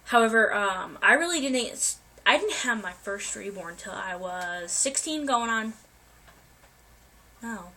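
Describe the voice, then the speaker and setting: Bright-voiced young woman with a cold. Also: medium pitch, animated, a little slow. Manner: rambling, many ums and restarts. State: getting over a cold, coughing. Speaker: vlogger. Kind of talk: casual life update to viewers.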